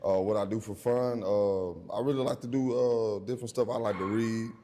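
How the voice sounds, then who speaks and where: A man's voice: fairly low pitch, steady tone, normal speed, dark tone. A man in his thirties from rural Georgia with a Southern African American English accent, chatting casually in a laid-back country way. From rural Georgia, USA. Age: 30s. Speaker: dating show contestant. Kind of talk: casual unscripted chat. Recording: echoey, noisy event hall.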